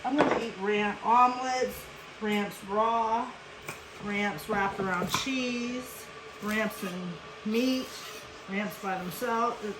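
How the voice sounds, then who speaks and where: A woman's voice: mid-range voice, takes it slowly. Chatty woman teaching a cooking demo. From Western Pennsylvania, USA. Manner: chatty and instructive, with frequent asides. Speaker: cooking show host. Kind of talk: casual cooking demonstration. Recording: echoey room with clear background noise.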